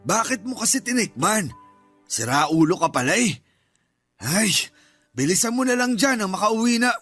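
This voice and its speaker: Man playing a high, scolding uncle who peddles fake cures. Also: sing-song, normal speed, fairly bright tone, no echo, clean studio sound, heavily acted. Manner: scolding, dismissive. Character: scheming uncle selling fake herbal cures. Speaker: uncle in a radio drama. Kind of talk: radio drama acting. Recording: music underneath.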